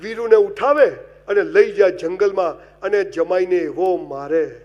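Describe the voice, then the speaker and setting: A man's voice: high-pitched, a little slow, muffled recording. A man giving a humorous motivational speech, telling comic stories and speaking straight to his audience with advice. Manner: animated comic storytelling with wide swings in loudness; addresses the audience directly and gives advice.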